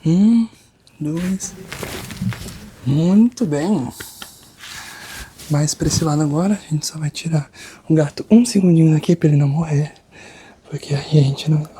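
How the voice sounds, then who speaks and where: A Brazilian man in a soft-spoken ASMR roleplay as a chiropractor, reassuring and hushed, guiding the listener step by step and sometimes slipping into a whisper. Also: on the high side. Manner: reassuring, talks the listener through each step. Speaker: ASMR creator playing a chiropractor. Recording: close binaural recording with background noise.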